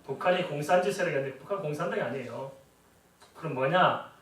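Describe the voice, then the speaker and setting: A middle-aged male pastor delivers his sermon in an easy, conversational way, tossing rhetorical questions at the congregation. His voice sits a little high for a man and comes from some distance off the microphone, heard in an echoey church sanctuary. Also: fast, fairly bright tone.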